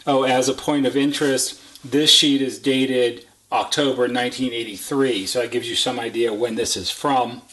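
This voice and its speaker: A man with a medium-pitched voice talks through equipment in a roomy, echoing indoor space. His delivery is unscripted and matter-of-fact, explaining each detail as a technician would. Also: steady tone, normal speed, fairly bright tone. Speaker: service technician presenting a product overview. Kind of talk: unscripted product walkthrough. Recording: echoey, roomy indoor sound.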